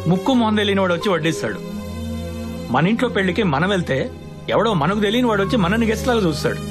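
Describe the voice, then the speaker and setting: Actor doing earnest telugu movie family guy, preachy and fast, loud music under him. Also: fairly high pitch, lightly acted. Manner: emphatic, speechifying. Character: earnest, family-minded groom's-side man defending simple weddings. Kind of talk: Telugu film comedy-drama dialogue.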